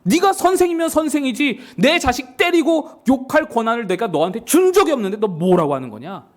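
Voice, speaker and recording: An indignant God scolds his servant sharply in a raised, high voice, as a male preacher puts him on mid-sermon. The pitch leaps about with a reproachful edge. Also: big pitch swings, fairly quick. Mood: indignant scolding.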